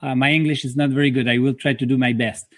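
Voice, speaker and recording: A man from Quebec with a French Canadian accent, a physiotherapist speaking English as a second language in a podcast interview, halting and searching for words. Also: mid-range voice, fairly even intonation, a bit bright, no room sound, studio quality. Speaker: physiotherapist guest.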